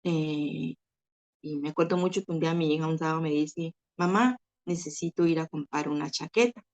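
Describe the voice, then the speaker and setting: A woman's voice: deep voice, normal speed. Earnest woman giving a faith testimony. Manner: earnest, retelling dialogue with feeling. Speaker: church member giving testimony. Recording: dull lo-fi sound.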